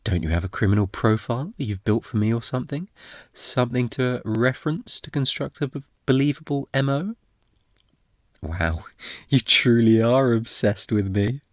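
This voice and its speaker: A man's voice: medium pitch, expressive, normal speed, dry recording, studio quality, close to an everyday voice. A man playing a cocky, flirtatious jewel thief in an ASMR roleplay, teasing and sarcastic with theatrical flourishes. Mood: smug, teasing. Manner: teasing, theatrical, sarcastic, swooping into mock quotes.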